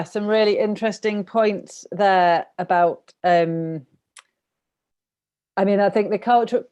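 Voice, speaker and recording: A woman's voice: medium pitch, warm tone, muffled recording. A British woman moderating an online panel discussion, talking informally in hesitant, rambling phrases. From Britain. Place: online video conference.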